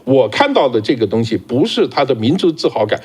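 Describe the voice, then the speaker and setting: A man co-hosting a casual political talk show, speaking in an animated way and often repeating words as he starts a sentence. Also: mid-range voice, brisk, husky.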